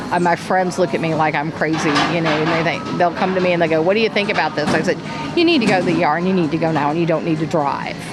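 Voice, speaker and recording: Over music in the background and audible room echo, a woman with a fairly low pitch speaks very fast, her loudness very even and her intonation fairly even. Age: 60s. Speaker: hospice nurse. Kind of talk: casual chat. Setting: cruise ship buffet area.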